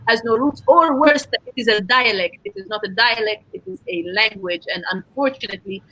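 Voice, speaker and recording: A woman's voice: fairly high pitch, brisk, bright, forceful tone, no echo, rough recording. A woman hosting a live online panel discussion. She reads out viewer comments and answers them, and turns firm and passionate when she sets a point straight. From Sudan, grew up in Egypt. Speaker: panel host.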